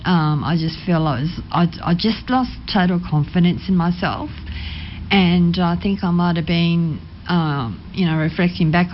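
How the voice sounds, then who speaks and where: Soft, hesitant, low-voiced woman. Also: dull audio, slight background noise. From Sydney, Australia. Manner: hesitant, many ums, soft-spoken. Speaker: interview guest. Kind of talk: personal testimony. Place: radio studio.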